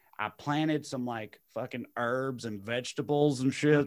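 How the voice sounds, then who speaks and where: With a Southern US accent, a man speaks using ordinary pitch variation. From US South. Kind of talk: casual chat. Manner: rambling.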